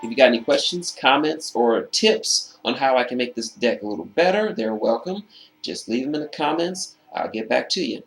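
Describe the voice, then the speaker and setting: Animated and medium-pitched, a man talks casually through a card game deck. He reads the text on each card, slowly repeating key phrases to stress them, and his voice has a slight hoarseness.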